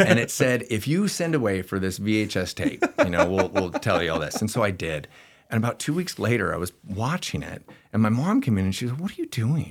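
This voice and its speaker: A man's medium-pitched voice at a fairly quick pace, with very wide pitch swings. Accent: American. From Spokane, Washington. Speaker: author, motivational speaker and model. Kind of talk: casual interview chat.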